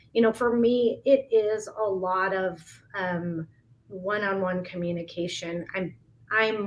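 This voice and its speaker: At a fairly slow pace, a woman with an unremarkable speaking voice speaks at a medium pitch. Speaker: fundraiser and commercial real estate professional. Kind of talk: panel discussion livestream.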